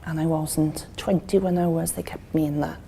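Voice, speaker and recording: Woman in her fifties, welsh accent, mellow voice, halting earnest speech. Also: low voice, fairly even intonation, creaky, a little hiss or hum. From Wales. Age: 50s. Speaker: interviewee. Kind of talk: documentary interview.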